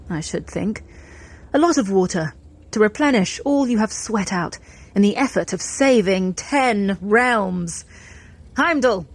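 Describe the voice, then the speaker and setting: Earnest fantasy heroine, husky voice, slow measured formal speech, audio drama. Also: female voice, medium pitch. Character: earnest, solemn woman, ally of Norse gods. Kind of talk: dramatic audio adventure acting.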